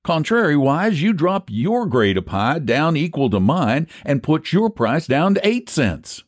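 A man's voice: fairly high pitch, very animated, unhurried, no echo, clean studio sound, pitched above the performer's own voice. A man voicing a scheming, homespun rural American pie baker, folksy and persuasive, in a storybook reading. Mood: bargaining.

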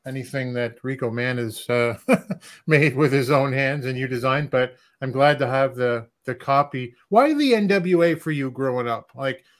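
A man's voice: mid-range voice, normal speed. A man hosting a podcast and asking a guest questions with enthusiasm. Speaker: podcast host. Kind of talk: casual interview.

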